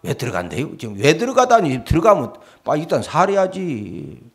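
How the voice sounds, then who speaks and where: 높은 톤의 열정적인 남자 목사 설교. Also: male voice, a little fast. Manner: lively preaching that swings between soft asides and loud exhortation; acts out pleading cries in a low voice. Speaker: pastor. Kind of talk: sermon.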